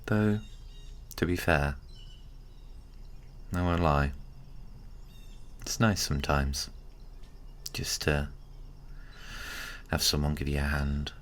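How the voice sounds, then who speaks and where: A man playing an easygoing, gently teasing giant friend in a casual, hesitant, intimate ASMR roleplay. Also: extremely low pitch, fairly even intonation, heavily acted. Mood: reassuring. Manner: hesitant, chuckling, unhurried casual talk.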